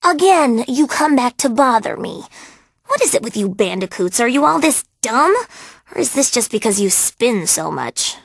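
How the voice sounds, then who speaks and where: Creaky, sneering bully girl. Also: on the high side, very animated, normal speed, no echo, studio quality, heavily acted. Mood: contemptuous, threatening. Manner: sarcastic, sneering, threatening. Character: sullen, menacing young undead girl, sarcastic bully. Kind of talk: video game character acting.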